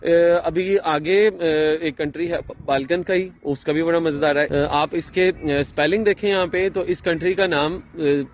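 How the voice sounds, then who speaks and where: A man's voice: fairly high pitch, steady tone, hardly any pauses, slight background noise. Chatty man vlogging outdoors. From Pakistan. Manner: chatty, explaining with many fillers and restarts. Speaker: travel vlogger. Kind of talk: casual explanatory travel vlog.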